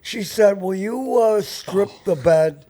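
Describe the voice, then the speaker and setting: A man's voice: sits high, slow, mellow. An older man hosting a casual talk show, telling stories and bantering in a blunt, profane way. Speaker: show host.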